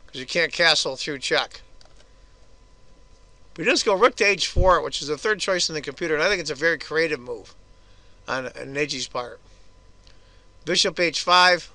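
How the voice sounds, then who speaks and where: A hoarse man giving casual, chatty move-by-move commentary on a chess game for his video channel. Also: fairly high pitch, normal speed, pauses often, sharp tone, no room sound.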